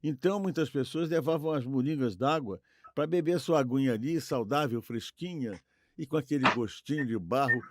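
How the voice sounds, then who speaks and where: A man's voice: mid-range voice, moderate pace. An older man with a Brazilian accent, chatting casually and nostalgically as a co-host, rambling and repeating himself for emphasis. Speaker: podcast co-host.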